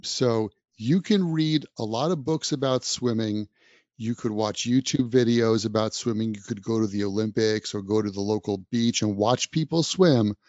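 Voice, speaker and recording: An English teacher offers encouraging podcast advice, speaking straight to the listener in a fairly low, slightly mellow voice at normal speed. The recording is dull, dry and slightly lo-fi.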